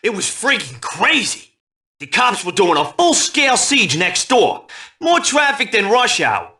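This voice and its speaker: An actor playing a brash, streetwise small-time mobster in a crime video game, slangy and swaggering. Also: male voice, high-pitched, wildly swooping pitch, measured pace, bright, forceful tone, heavily acted. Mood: excited bragging.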